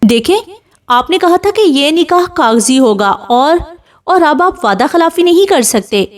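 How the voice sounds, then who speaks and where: A timid, frightened young woman from an audiobook romance, pleading and protesting in a fairly high voice, read by a woman narrator. She sounds close to tears. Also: animated, distant mic. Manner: pleading, fearful.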